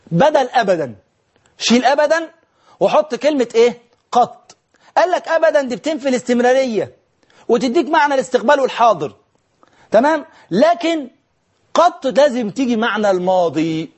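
Man, Egyptian accent, grammar teacher, quick-talking, quizzing and teasing viewers. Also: extremely high pitch, animated, slightly rough. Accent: Egyptian Arabic. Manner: quizzing, answers his own questions, playfully scolding. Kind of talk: televised grammar lesson.

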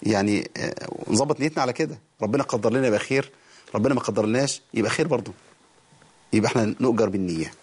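A man with an Egyptian Arabic accent teaching Quran recitation on a TV show, explaining the rules in plain speech and reciting verses slowly and drawn out. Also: medium pitch, a little mellow, breathy edge.

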